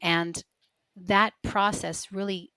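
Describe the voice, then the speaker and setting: A woman's voice: medium pitch, flat delivery, takes it slowly, pushed and bright, clean tone, dry recording. A woman guest in a conversational interview, telling stories in an earnest, reflective way. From lives in Israel. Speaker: interview guest, finance professional.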